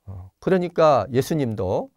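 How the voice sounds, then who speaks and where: A man, a Jesuit priest, giving an online spiritual lecture with gentle, unhurried teaching and frequent pauses and fillers. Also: mid-range voice, big pitch swings, dry recording, studio quality. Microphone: video call.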